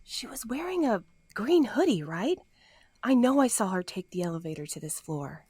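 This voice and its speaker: A woman's voice: mid-range voice, normal speed, breathy edge, no echo. A woman acting in an audio drama as an anxious, wry young female sleuth, talkative and a little hesitant. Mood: questioning. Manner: hesitant, expressive.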